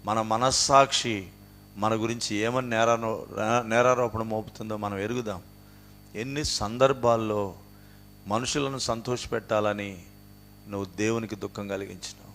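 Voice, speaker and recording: A man preaching a sermon in a Telugu accent. He repeats his rhetorical questions and scripture references, and he swings between low, quiet passages and raised, emphatic outbursts. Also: fairly even intonation, normal speed, long pauses, a little hiss or hum. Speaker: pastor.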